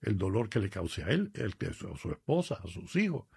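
Un sacerdote cubano con acento cubano, que habla con fervor y cuenta anécdotas personales en un programa de radio. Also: male voice, on the low side, very animated, a little fast, vocal fry, darkish tone, husky, dry recording. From Cuba. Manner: earnest, emphatic, tells personal stories. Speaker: priest, regular guest. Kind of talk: radio chat on faith.

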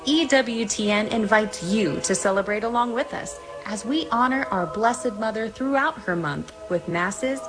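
A woman reading a scripted radio promo in a gentle, inviting way. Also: on the high side, unhurried, hardly any pauses, music in the background. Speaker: promo announcer.

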